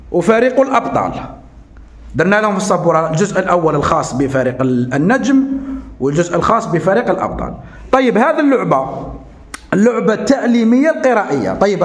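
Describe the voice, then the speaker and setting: Algerian guy teaching little kids, really high voice, talks fast, echoey classroom. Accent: Algerian Arabic. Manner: animated, coaxing teacher voice, slow deliberate dictation. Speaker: primary school teacher. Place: school classroom.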